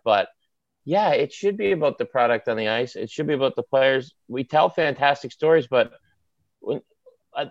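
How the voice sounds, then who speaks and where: A man with a Maritime Canadian accent talks sports in an emphatic, down-to-earth way, firing off short, opinionated phrases. His voice sits at a middle pitch. The sound is dry and slightly muffled. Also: no echo. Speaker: author and podcast guest. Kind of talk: animated opinionated sports chat.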